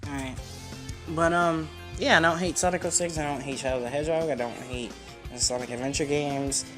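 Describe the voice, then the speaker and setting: A 14-year-old teenage boy narrates his playthrough of a video game, offering casual, rambling, opinionated commentary. His voice is a little high, fairly quick, with fairly even intonation. Video game music plays behind him.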